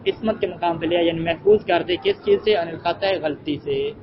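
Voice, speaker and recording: High-voiced male teacher in a noisy room. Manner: asks rhetorical questions and answers them, reads Arabic phrases slowly. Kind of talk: classroom lecture explaining an Arabic logic text. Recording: muffled with heavy background noise.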